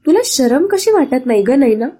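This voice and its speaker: A woman's voice: high-pitched, sing-song, moderate pace, warm tone, husky, exaggerated voice. A woman voicing a strict middle-aged woman of the house who scolds reproachfully. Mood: scolding.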